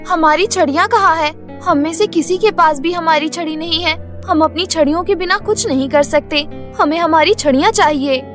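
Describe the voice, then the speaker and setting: A woman's voice: extremely high pitch, moderate pace, few pauses, fairly bright tone, soft background music. A woman playing an anxious, polite female fairy in a cartoon story. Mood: distressed.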